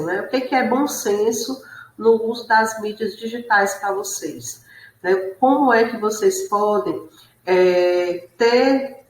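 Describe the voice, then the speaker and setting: A woman teacher giving an online class lecture, explaining patiently and often checking in with tag questions. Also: mid-range voice. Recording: roomy echo.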